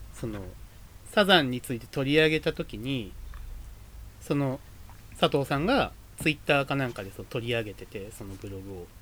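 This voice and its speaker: A man speaks at medium pitch and a moderate pace, his intonation lively. His loudness swings widely, and he leaves long, frequent pauses. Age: 20s. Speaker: culture writer. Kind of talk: casual interview chat. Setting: remote recording.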